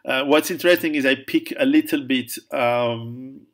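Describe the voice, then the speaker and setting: A man speaks in a casual question-and-answer monologue at a middle pitch. He stumbles and restarts often, fills pauses with "um", and chuckles at his own jokes. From Italy, raised in Switzerland. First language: Italian. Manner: hesitant, many restarts and fillers, laughs at own jokes. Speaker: author answering viewer questions.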